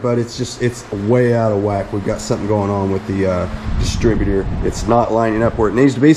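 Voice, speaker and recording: A middle-aged American man casually explaining a hands-on repair in a folksy, conversational way. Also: mid-range voice. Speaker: DIY mechanic vlogger. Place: hot space around a truck, fan running. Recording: loud fan noise behind voice. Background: fan noise.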